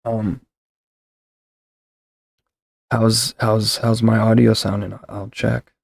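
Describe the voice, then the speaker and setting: A man in his thirties hosts a casual livestream from home, speaking into a desk mic on a shock mount. His voice is lowish, husky and fry-laden, with a level tone and an extremely slow pace. He rambles and puts himself down, full of fillers and restarts, and the recording has no echo.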